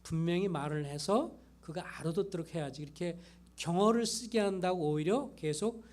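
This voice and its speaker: Man, pastor, church lecture, high voice, quick bits of acted-out dialogue. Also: a little mellow. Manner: acts out parent and child lines in quoted voices. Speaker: pastor giving a parenting lecture. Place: church hall.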